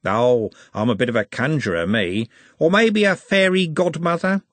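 A man's voice: fairly high pitch, moderate pace, dry recording, voice pushed up, natural voice. A man voicing a cocky, slender male street conjurer with a teasing, theatrical manner. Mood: sly, playful.

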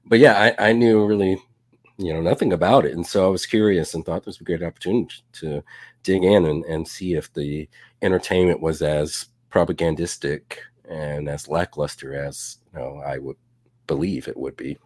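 A man with a very deep voice co-hosts a casual live show. He thinks out loud, stumbling and restarting often. The sound is close and completely dry. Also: steady tone, moderate pace, no echo. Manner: hesitant, with many restarts and fillers. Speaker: co-host.

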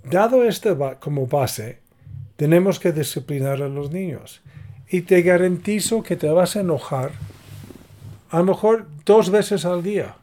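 A middle-aged man, calmly explaining parenting ideas in a casual conversation. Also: high voice, unhurried. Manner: calm, explanatory, acts out little example dialogues. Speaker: podcast co-host giving parenting advice.

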